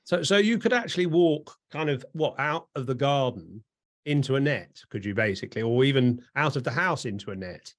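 A man's voice: mid-range voice, lively intonation, fairly quick. A man with an English accent hosting a conversational interview, asking chatty, rambling questions. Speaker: interviewer and host.

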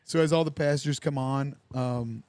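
A man's voice: mid-range voice, moderate pace, no echo. A young man, a podcast host telling a story in casual chat and acting out the people in it. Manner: animated storyteller who acts out quoted dialogue with lively voices.

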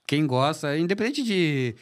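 A man, a former footballer as a podcast guest, telling stories in an animated way and laughing often. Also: on the high side, unhurried. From southern Brazil. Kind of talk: casual podcast chat.

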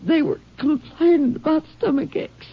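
A woman playing a sick, frightened rancher's wife and mother in a 1950s radio drama, halting and distressed. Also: sits high. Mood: weak, worried. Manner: weak, halting, breathy distress. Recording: muffled, noisy old radio recording.

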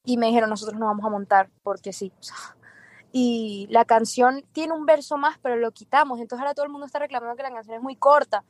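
A woman singer being interviewed, talking casually in a lively, quick way. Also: fairly high pitch, dry recording. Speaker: singer guest.

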